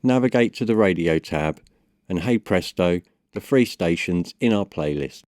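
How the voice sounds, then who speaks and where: A man with a low-pitched voice presents a step-by-step software guide. His delivery is measured and instructional. The sound is dry, with very little room in it. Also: lively intonation, no echo. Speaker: tutorial presenter. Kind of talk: step-by-step software tutorial voice-over.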